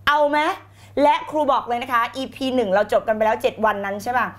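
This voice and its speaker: A woman teaching the law of attraction on a live stream, energetic and emphatic, repeating key phrases and slipping in English words. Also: on the high side, fast. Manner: mixes in English words, blunt slang.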